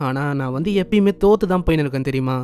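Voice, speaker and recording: A man's voice: on the high side, animated, racing, dark tone, smooth, lightly acted. A man reading the lines of an insecure teenage mermaid girl from an anime, in his own plain, barely changed voice. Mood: gloomy. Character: insecure teen mermaid girl, self-doubting.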